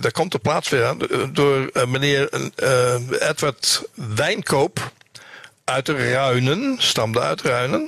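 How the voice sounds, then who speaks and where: Speaking at a very slow pace with long, frequent pauses, a man keeps his loudness very even. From Netherlands. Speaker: newsletter writer, local history enthusiast. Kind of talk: interview. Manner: halting, many fillers.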